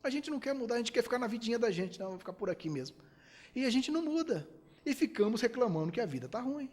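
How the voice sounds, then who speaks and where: A husky, fairly high-pitched man from Brazil delivers a spiritist lecture. He keeps asking his listeners rhetorical questions. He acts out little quoted exchanges between people. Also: big pitch swings, fast talker, darkish tone, long reverb tail.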